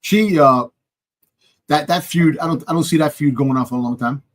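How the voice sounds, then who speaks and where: Halting man in casual sports chat. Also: fairly high pitch. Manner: halting, groping for words. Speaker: wrestling podcast co-host.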